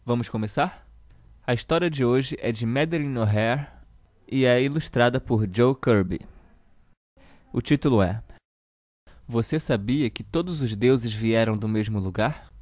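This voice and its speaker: A man with a Brazilian accent playing a children's TV uncle who reads a storybook slowly and deliberately to children. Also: mid-range voice, darkish tone, no room sound, lightly acted. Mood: storytelling. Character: children's TV show host uncle reading a satirical storybook. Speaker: storyteller host of a kids' show.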